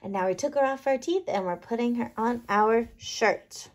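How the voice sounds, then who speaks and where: A woman kindergarten teacher reading a picture book aloud, playful and expressive, leaning on key words. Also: on the high side, moderate pace.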